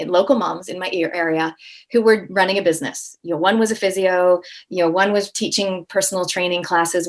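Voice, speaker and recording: An energetic woman with a Canadian accent, talking as a guest in an interview. She tells her story in long, lively runs, often restarting her sentences. Her voice sits in an ordinary middle register. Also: mid-range voice. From Canada (Toronto). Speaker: guest, coach. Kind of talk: conversational interview answers.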